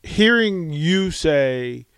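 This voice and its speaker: A man's voice: fairly high pitch, expressive, very slow, fairly bright tone, smooth, dry recording. A man hosting an interview, affirming and encouraging his guest. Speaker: podcast host. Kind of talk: interview conversation.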